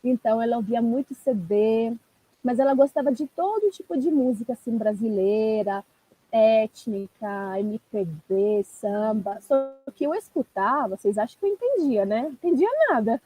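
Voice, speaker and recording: A woman's voice: a little high, normal speed, dark tone, rough recording. A woman, a language teacher, chatting casually on a live stream, laughing often and talking to the viewers. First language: Italian.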